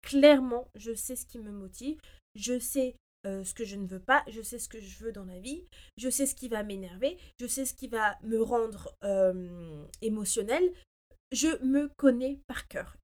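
A woman hosting a personal development show, talking informally and emphatically to listeners, swinging between loud and soft and dropping English phrases into her speech. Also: fairly high pitch, moderate pace. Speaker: personal development podcast host. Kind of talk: casual motivational monologue, informal address to listeners.

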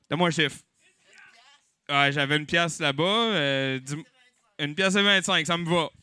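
A man's voice: high-pitched, no echo. A man with a Quebec French accent hosting a radio show, running a mock auction with jokey auctioneer patter and lots of filler. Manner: auctioneer patter with frequent filler "euh" and swings in loudness. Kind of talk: playful radio banter. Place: radio studio.

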